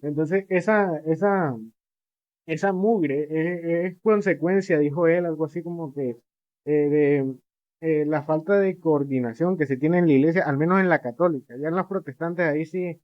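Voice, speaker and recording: Young male co-host, higher voice, hesitant storyteller with dry asides; dry close mic. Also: moderate pace, dry recording, muffled recording. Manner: rambling, hesitant, many fillers and restarts, wry asides. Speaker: podcast co-host. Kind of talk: casual podcast discussion.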